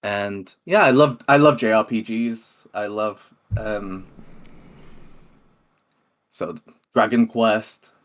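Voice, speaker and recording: A man's voice: lowish voice, slow pace, pauses often, a bit bright. A man, talking casually as an interview guest. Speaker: interview guest, game developer. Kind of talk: casual chat.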